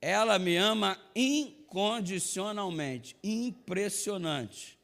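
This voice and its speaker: A man preaching a sermon with a high voice. He tells a personal story in a lively way. He drops to a hush, then comes back loud. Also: slow pace, vocal fry. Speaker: pastor.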